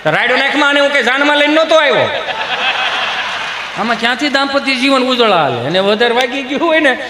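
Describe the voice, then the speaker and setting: A male stand-up comedian from Gujarat, telling folk jokes and acting out villagers in high voices. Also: expressive, fast talker, noisy background. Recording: echoey live stage hall.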